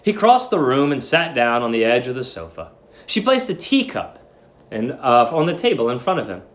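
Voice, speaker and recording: A man's voice: mid-range voice, very animated, moderate pace, a bit bright. A man narrating in a dramatic storybook reading style. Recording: roomy echo.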